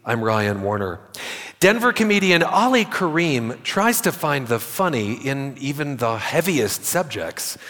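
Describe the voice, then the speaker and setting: A man hosting a live radio holiday show, reading a measured scripted introduction of the next performer. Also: medium pitch, very animated, a bit bright. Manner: measured, announcer-like. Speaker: radio host. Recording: long reverb of a hall.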